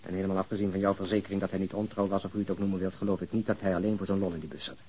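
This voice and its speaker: A man acting in a crime audio drama as an earnest, principled police detective, blunt and probing, speaking deliberately. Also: deep voice, little pitch movement, mellow, a little hiss or hum, close to an everyday voice. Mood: serious, probing. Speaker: actor in a radio drama.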